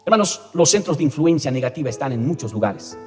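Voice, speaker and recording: A pastor preaching a sermon, often turning to the congregation with rhetorical questions. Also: male voice, a little high, animated, fast talker, in a large hall, faint music behind. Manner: preaching with frequent direct address and rhetorical questions.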